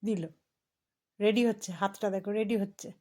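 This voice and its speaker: A woman's voice: flat delivery, normal speed. A woman from Bengal at home, talking to her cat in playful baby talk, coaxing and scolding by turns. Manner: coaxing, scolding playfully, swings between high squeals and soft murmurs. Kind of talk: affectionate baby talk to a pet. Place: home, indoors.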